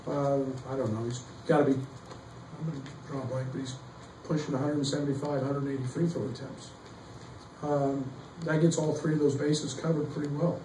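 A middle-aged man, a basketball coach, answering questions at a postgame press conference, halting with many fillers and restarts. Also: mid-range voice, little pitch movement, dark tone. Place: press room behind a table. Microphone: table mic, heard from some distance. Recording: echoey room, distant mic, faint noise.

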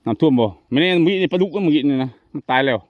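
A man's voice: on the high side, racing, no echo. A chatty man talks viewers through a casual fishing vlog in the countryside. The sound is dry and a little muffled, as if from a lo-fi mic outdoors, with animals heard behind him. He laughs easily and calls his viewers brothers and sisters. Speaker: vlogger. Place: outdoors in rural fields.

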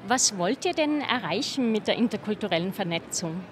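A woman's voice: medium pitch, animated, a little fast. A woman in her thirties hosting an interview outdoors at a street festival, speaking into a handheld mic. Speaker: host. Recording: street noise behind.

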